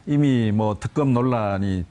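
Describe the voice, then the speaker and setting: A man commenting on politics as an academic panelist, measured and emphatic, pausing on drawn-out fillers. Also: lowish voice, mellow.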